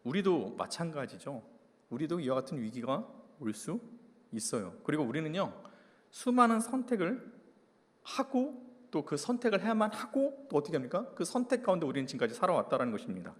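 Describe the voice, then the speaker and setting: Male pastor, thirties, a bit high-pitched and very lively, storytelling sermon, long church reverb. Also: fairly quick. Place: church hall.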